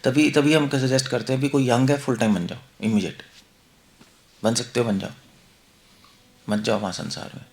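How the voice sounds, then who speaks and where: This monk has a medium-pitched, darkish voice with fairly even intonation, speaking at normal speed and pausing often. He delivers a conversational Hindi-English devotional lecture on scripture, posing rhetorical questions to listeners.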